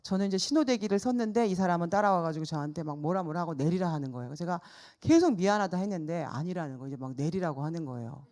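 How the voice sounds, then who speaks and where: A middle-aged woman evangelist preaching a sermon through a personal story, told in a lively way with the voices of the people in it acted out. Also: lowish voice, rapid-fire, hardly any pauses. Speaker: evangelist preaching at a church service.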